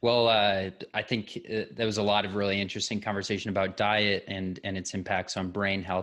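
A man with an American accent talks at a fairly quick pace with hardly any pauses, his fairly low voice monotone and flat. The background is quiet. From US Midwest. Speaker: podcast host, physician. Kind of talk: interview. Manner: halting.

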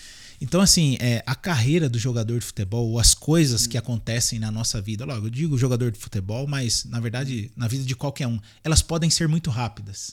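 Recorded very cleanly against a silent background, a man speaks in a somewhat breathy voice. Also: medium pitch for a man, ordinary pitch variation, fairly quick pace. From interior of São Paulo state, Brazil. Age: 40s. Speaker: former professional footballer, coach. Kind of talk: testimony in casual interview.

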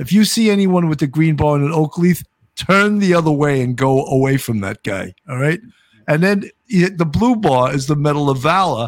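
On a very clean recording with a silent background, a man with an American accent speaks with lively intonation at a fairly high pitch. He has a plain, everyday voice. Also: moderate pace. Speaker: podcast host, retired police officer.

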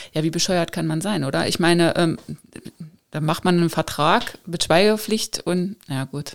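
A woman's fairly low voice, a plain, everyday voice, at a moderate pace with ordinary pitch variation, on a very clean recording with a silent background. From village near Nordhausen, Thuringia. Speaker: university podcast host. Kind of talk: casual interview. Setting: studio.

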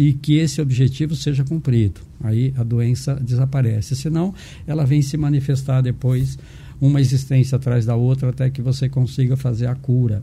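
A man speaks at a moderate pace and medium pitch, somewhat breathy, with a dark, mellow tone and fairly even intonation. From northern Paraná, Brazil. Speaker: doctor. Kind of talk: interview. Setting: live stream.

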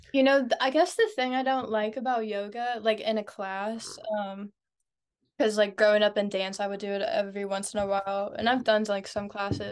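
An ordinary speaking voice comes at a moderate pace with ordinary pitch variation over a quiet background. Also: woman, fairly high pitch for a woman. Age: 20s. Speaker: podcast host. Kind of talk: casual chat. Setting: video call.

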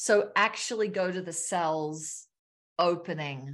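Against a quiet background, a woman with an Australian accent speaks with ordinary pitch variation. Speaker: author and feminine energy teacher. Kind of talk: interview.

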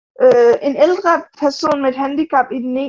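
A woman speaks at a high pitch with fairly even intonation. The sound is dry and close, with no echo. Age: 20s. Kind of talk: interview.

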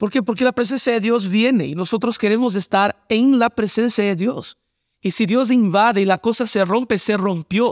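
At a moderate pace, a man speaks in a high pitch with ordinary pitch variation and a dry, close sound with no echo. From Brazil. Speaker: pastor and podcast host. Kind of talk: interview conversation.

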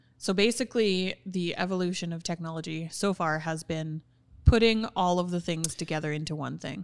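In a very clean recording with a silent background, there is an unremarkable speaking voice at a moderate pace. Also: woman, fairly low pitch for a woman, ordinary pitch variation. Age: 30s. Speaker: podcast co-host. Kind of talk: casual chat.

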